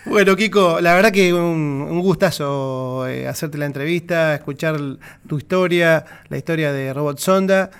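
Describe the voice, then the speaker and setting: A man's voice: a little high, normal speed, hardly any pauses, smooth. A man with an Argentine accent hosting a radio show, easygoing and friendly, thanking his guest. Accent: Argentine Spanish. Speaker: radio host. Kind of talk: casual interview chat.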